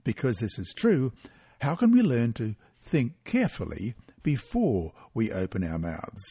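A man reading a weekly Bible study lesson and mission story aloud, in a measured, expressive way. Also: medium pitch, breathy edge, no echo, studio quality.

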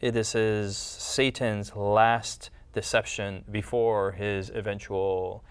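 A man's voice: fairly low pitch, flat delivery, takes it slowly, clear, resonant tone. A man hosting a casual Bible study discussion, musing aloud and often rephrasing himself. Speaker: discussion host.

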